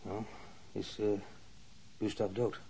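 A man's voice: lowish voice, flat delivery, gravelly, dark tone, slight background noise. An actor playing a wounded, subdued patrol policeman who speaks hesitantly in a radio drama. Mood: grieving. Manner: hesitant, halting recollection.

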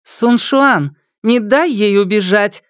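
A man voicing a spoiled, furious rich teenage girl in an audiobook, shrill, mocking and scornful. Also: very animated, moderate pace, no echo. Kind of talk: audiobook character voice.

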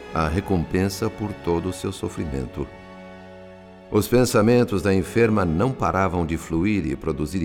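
Um ator interpretando um espírito médico compassivo que narra suas memórias em radionovela, de modo solene e expressivo. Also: male voice, low-pitched. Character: compassionate male spirit physician narrating his memories. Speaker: narrator and character. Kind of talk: dramatic radio drama narration.

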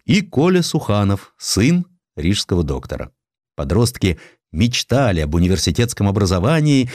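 Low-voiced man narrating with lively swings. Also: no room sound, clean studio sound. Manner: expressive storytelling, acting out quoted lines. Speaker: audiobook narrator. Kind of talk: scripted narration of historical prose, dramatized reading.

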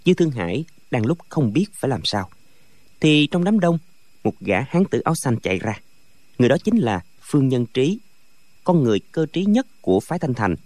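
A man narrating a martial arts novel as an audiobook, with expressive storytelling. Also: medium pitch, a little fast, no echo.

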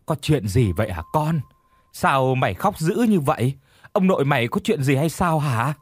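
A man's voice: mid-range voice, very animated, normal speed, breathy edge, dry recording. A man voicing an anxious old peasant grandmother who questions and scolds her grandson. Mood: worried. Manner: worried, scolding.

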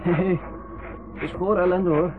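An actor playing a chatty, reassuring young ship's doctor in a Dutch radio play. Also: male voice, high voice, fairly even intonation, unhurried. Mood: talkative, reassuring. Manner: chatty, reassuring, repeats himself. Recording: noisy narrowband old radio recording.

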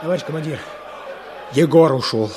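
A man's voice: on the high side, moderate pace, darkish tone, some chatter behind, a little hiss or hum, natural voice. A man acting an earnest young fighter in a radio play, grieving but hopeful, speaking in a heartfelt, reflective way. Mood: urgent, reporting.

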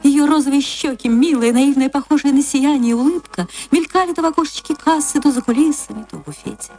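A woman narrating a classic story in a gentle, measured literary reading. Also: high-pitched.

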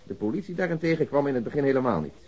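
An actor playing a wry, matter-of-fact police detective in a Dutch radio crime drama, briefing in an orderly way. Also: male voice, medium pitch, lively intonation, racing, a little mellow, lo-fi sound, natural voice. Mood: formal, measured.

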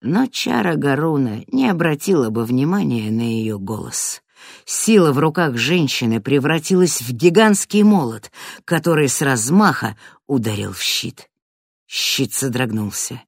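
An audiobook narrator reading a fantasy story in a dramatic way, swinging from hushed to loud. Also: medium pitch, very animated, unhurried, gravelly, no room sound, studio quality.

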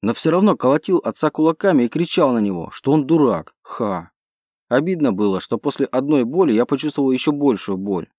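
A man narrating a first-person novel in a steady reading manner, with more tension in the dialogue. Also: medium pitch, fairly quick, no echo, studio quality. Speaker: audiobook narrator. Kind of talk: scripted narration of a sci-fi novel.

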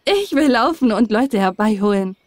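A woman's voice: a little high, animated, normal speed, dry recording, clean studio sound, close to an everyday voice. A woman reading a fairy tale aloud and voicing a kind, eager young girl who speaks earnestly. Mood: concerned.

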